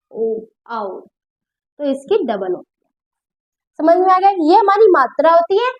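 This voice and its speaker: A woman with a very high, lively voice gives a grammar lesson. She is patient and repeats each point, and she keeps checking that her students follow along. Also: dull audio. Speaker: Hindi grammar teacher. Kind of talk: classroom-style lesson explaining at a board.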